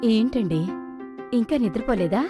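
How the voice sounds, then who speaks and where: An actress playing a quick-tempered middle-aged mother and elder sister in a film comedy, scolding her family. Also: fairly high pitch, animated, over music, lightly acted. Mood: coaxing.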